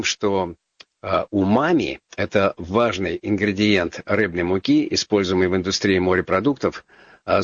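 A man's voice: low-pitched, vocal fry, fairly bright tone, dry recording, dull audio. A man hosting a call-in radio talk show, chatting casually with ironic asides and plenty of filler words. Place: radio studio.

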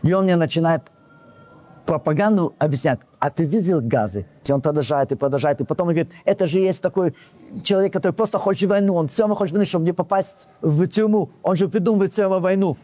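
A man's voice: sits high, fast talker, no room sound. A man telling a casual personal anecdote, acting out the dialogue and often restarting and correcting himself. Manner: animated retelling that acts out quoted dialogue; frequent restarts and self-corrections. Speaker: storyteller.

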